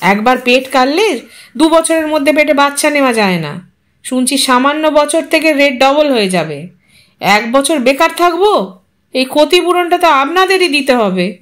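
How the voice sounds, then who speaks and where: A woman's voice: sits high, expressive, normal speed, a bit bright, pitched above the performer's own voice. A woman reading the part of a scrawny, grasping man who haggles in a wheedling way.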